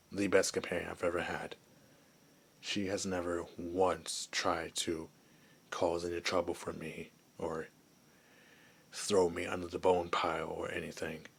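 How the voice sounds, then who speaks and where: A man playing a gentle, lonely werewolf who was once human, in a soft, hesitant, confiding ASMR roleplay voice. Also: low voice, vocal fry, breathy edge, heavily acted. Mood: fond, earnest. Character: gentle, lonely male werewolf, former human, wistful outcast.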